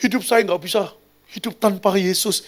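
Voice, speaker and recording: A man's voice: high voice, fairly even intonation, moderate pace, voice pushed up, natural voice. A man voicing a tearful, anxious woman who questions a pastor in a pleading, plaintive way. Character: tearful anxious middle-aged woman churchgoer. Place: church hall.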